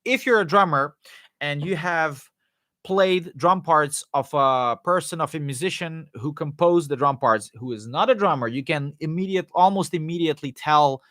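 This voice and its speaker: A man hosting a live Q&A, answering viewer questions in a loose, rambling way with fillers and restarts, his voice going hoarse. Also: a little high, normal speed, a bit bright, no room sound, clean studio sound. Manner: rambling, many fillers and restarts, jokey asides. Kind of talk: casual live-stream Q&A, reading and answering chat questions.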